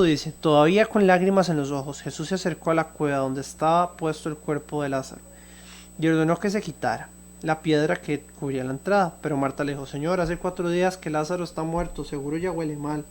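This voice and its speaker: A man's voice: a little high, a little mellow, slight background noise. A man with a Costa Rican Spanish accent preaching a sermon, reading a Bible passage aloud and then explaining it in a conversational way. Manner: reads scripture then explains it conversationally, with fillers and restarts.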